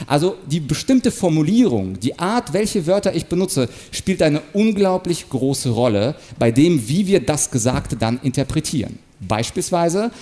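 A man giving an animated, explanatory talk on manipulation and rhetoric, sometimes acting out short example quotes. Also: on the high side. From Ukraine. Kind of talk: stage talk to an audience.

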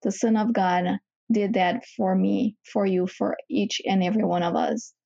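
A woman speaks with emphatic enthusiasm about her faith. Her voice is mellow and the recording is dry and slightly muffled. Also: medium pitch, steady tone, normal speed, creaky, no room sound. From Brazil. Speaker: church member giving a testimony. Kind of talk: personal faith testimony.

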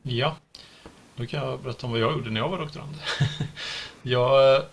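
A man's voice: mid-range voice, vocal fry. A middle-aged man, a professor, explaining his research in a conversational interview. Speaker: computational linguistics professor, interview guest.

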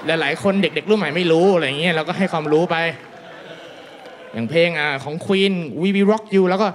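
A man's voice: sits high, fairly even intonation, moderate pace. A man telling a crude, self-mocking stand-up story, acting out the dialogue. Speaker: stand-up comedian. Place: small live venue with audience.

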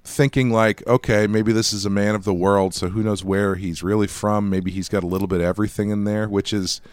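A man's voice: on the low side, fairly even intonation, a little fast, clear, resonant tone, no echo. A man co-hosting a podcast in casual chat, hesitant and often restarting his sentences. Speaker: podcast co-host.

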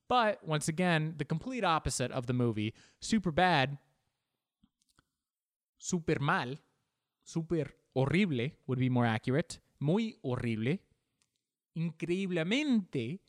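A man's voice: a little high, no echo. Rambling sarcastic man, dry sound. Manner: rambling, sarcastic, many restarts. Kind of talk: comedic monologue.

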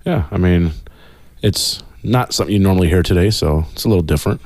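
A man co-hosting a podcast, easygoing and quick to laugh. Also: sits low, a little mellow, no room sound, studio quality. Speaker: podcast co-host. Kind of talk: casual podcast chat.

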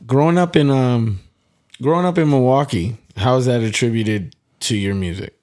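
A man's voice: mid-range voice, normal speed, darkish tone. A man from the South Bronx, raised in Wisconsin, hosting a casual interview and asking rambling questions. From South Bronx, New York. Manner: friendly, backchannels a lot, rambling questions. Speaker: podcast host.

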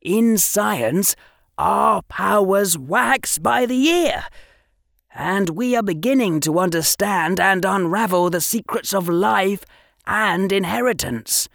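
A man's voice: high voice, expressive, slow pace, gravelly, fairly bright tone, no room sound, studio quality, pitched above the performer's own voice, full character voice. Man doing a precocious lecturing boy. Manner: earnest lecturing with proud tremble. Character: precocious earnest boy explaining science.

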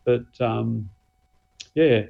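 An Australian man chats in a modest, halting way, filling pauses with "um" as he gathers his thoughts. His voice sits at an ordinary pitch for a man. The audio is a little dull, as if sent over a remote link. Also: creaky. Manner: modest, hesitant, many fillers and restarts. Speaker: guest axe and knife maker. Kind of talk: casual podcast chat.

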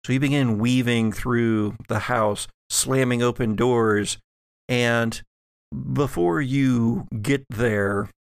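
Male game master for tabletop narration. Very unhurried, atmospheric delivery, mid-range pitch. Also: clean tone, dry recording, studio quality. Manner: slow, deliberate, pausing between phrases.

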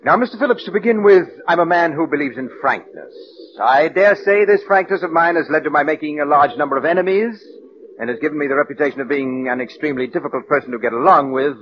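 An actor playing a cold, arrogant middle-aged radio producer who speaks in a precise, condescending way, in a 1940s radio drama. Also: male voice, fairly high pitch, fast, slight background noise, close to an everyday voice. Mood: haughty. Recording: dull old radio recording.

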